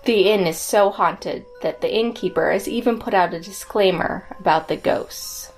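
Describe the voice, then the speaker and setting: A woman's voice: mid-range voice, normal speed. A woman co-hosting a podcast, reading scripted ghost stories with music behind her. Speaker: podcast co-host. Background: background music.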